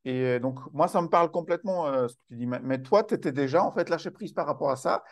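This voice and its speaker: A man hosting a conversational interview, speaking in a halting, reflective way and repeating words as he thinks. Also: fairly high pitch. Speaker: host.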